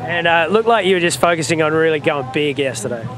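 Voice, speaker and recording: A man's voice: a little high, fast talker, a crowd in the background, rough recording. A man doing a casual beachside interview, asking friendly, upbeat questions.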